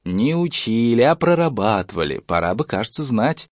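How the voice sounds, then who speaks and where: A man's voice: mid-range voice, sing-song, moderate pace, no echo, dull audio. A man reading a story, voicing a dogmatic schoolboy who lectures his father. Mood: lecturing. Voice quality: preachy, self-assured lecturing tone.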